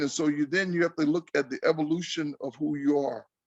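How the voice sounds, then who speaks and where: A man with an ordinary speaking voice, fairly high-pitched, at a moderate pace. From South Carolina. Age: 60s. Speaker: panelist. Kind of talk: panel discussion.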